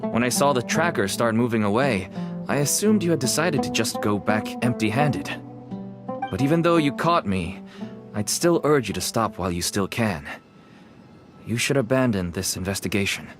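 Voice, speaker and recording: A man's voice: mid-range voice, expressive, moderate pace, over music, natural voice. An actor playing an anxious, placating black-market dealer and doting father in a video game. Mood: earnest warning. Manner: nervous, placating, theatrical.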